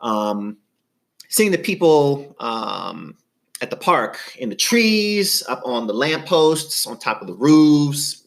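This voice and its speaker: A man's voice: medium pitch, big pitch swings, vocal fry. Laid-back man in his thirties, chatty. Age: 30s. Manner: playful, drawn-out storytelling with frequent ums. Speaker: podcast co-host. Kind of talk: casual chat.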